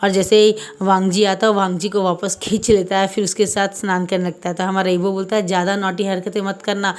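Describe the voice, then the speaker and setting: A woman's voice: medium pitch, flat delivery, a little fast. A woman casually retelling a fan story, chatting through it and reading every character in her own plain voice.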